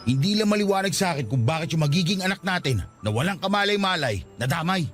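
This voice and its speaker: Nasaktang nobyo, mataas at mabilis magsalita. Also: male voice, high-pitched, lively intonation, quick pace, a bit bright, faint music behind. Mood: bitter. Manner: wounded, reproachful. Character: hurt, bitter young boyfriend being dumped. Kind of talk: radio romance drama acting.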